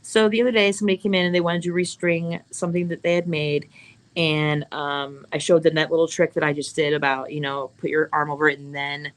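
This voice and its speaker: A woman's voice: deep voice, little pitch movement, brisk. A woman co-hosting a live craft stream, chatting casually and playfully while she strings beads. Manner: chatty, playful, puts on voices in quotes. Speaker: co-host of a live bead shop stream.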